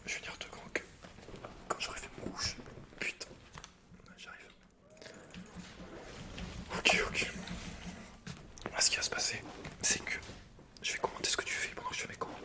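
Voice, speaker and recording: A man doing casual, slangy ASMR gaming commentary as the host, swearing now and then.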